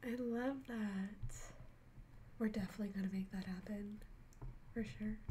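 A whisper with a soothing tone comes with long, frequent pauses over light background noise. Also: woman, moderate pace. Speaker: ASMR artist; ASMR creator in girlfriend roleplay. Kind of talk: ASMR girlfriend roleplay. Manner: whispered, soothing. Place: home room.

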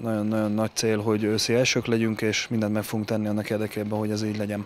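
A man with a fairly low pitch, in a dry sound with no echo and light background noise. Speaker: football coach. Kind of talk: interview answer. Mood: calm, satisfied after win. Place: open country. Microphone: handheld.

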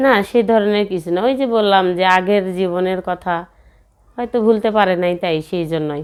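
Using an ordinary speaking voice, a woman talks with ordinary pitch variation. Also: medium pitch for a woman. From Bangladesh, Gaibandha district. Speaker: divorced single mother seeking help. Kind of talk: personal life story interview.

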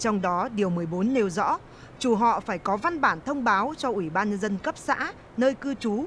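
Fairly slow speech over noticeable background noise. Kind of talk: scripted narration.

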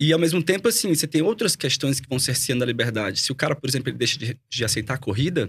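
Speaking at a very fast pace with hardly any pauses, a man with a medium pitch and a somewhat breathy voice uses lively intonation. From Brazil, Fortaleza (Ceará); Ceará, Brazil. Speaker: tech entrepreneur, CTO; podcast guest. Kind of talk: podcast interview. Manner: casual, filler-heavy. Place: studio. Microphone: studio mic.

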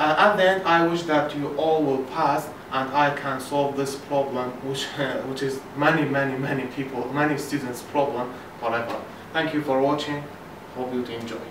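This man's voice sits fairly high, with noticeable noise behind it. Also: fairly even intonation, moderate pace. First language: Arabic. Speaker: electrical engineering student. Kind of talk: lecture intro to camera. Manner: hesitant, many fillers. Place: home room. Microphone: camera far.

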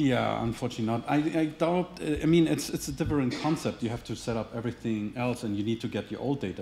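Over light background noise, a man with a German accent speaks quickly in a dark, mellow tone with lively intonation. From Germany. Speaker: indie iOS developer; presenter. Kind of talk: tech talk with live demo; Q&A answers. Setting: meetup stage with audience. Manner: halting. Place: meeting room.

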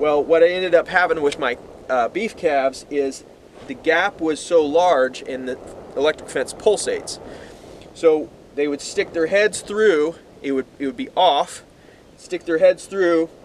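Over light background noise, a man speaks at a fairly slow pace. The sound is dry with no echo, and his pitch varies in an ordinary way. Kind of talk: casual vlog explanation. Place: open country. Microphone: camera far.

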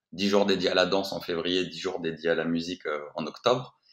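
The man's voice is very deep and low. Fairly even intonation marks his delivery. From Lyon region, France. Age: 30s. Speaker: hip-hop festival organizer. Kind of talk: casual interview.

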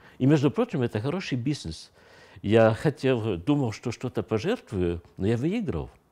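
Against a quiet background, a man with a French accent and a dark, mellow tone speaks at a moderate pace with very wide pitch swings. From France, Grenoble area; France. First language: French (speaking Russian). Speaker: retired army general. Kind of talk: interview. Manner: halting. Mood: cheerful, animated. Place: home room.

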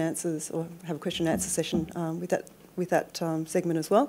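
The woman has a fairly low pitch and a dark, mellow tone. Her intonation is monotone and flat. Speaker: presenter. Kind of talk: briefing presentation. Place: hall. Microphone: podium.

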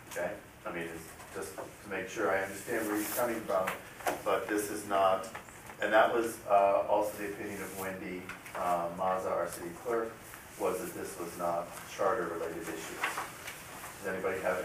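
Noticeable background noise and audible room echo surround the speech. The pace is moderate, broken by long, frequent pauses. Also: man. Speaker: committee chair. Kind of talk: public meeting. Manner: formal. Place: meeting room. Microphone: camera far.

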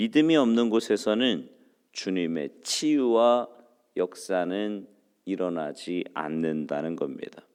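Speaking at a very slow pace, a man uses a fairly low pitch that makes very wide swings. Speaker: pastor. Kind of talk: sermon.

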